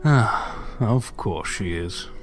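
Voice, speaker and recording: An actor playing a troubled father and husband in an audio drama, with a soothing manner that is sometimes hushed. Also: fairly low pitch, lively intonation, drawn-out words, soft background music. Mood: gentle, fatherly. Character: tender but troubled father and husband, secretly shady. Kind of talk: audio drama acting, slow intimate dialogue.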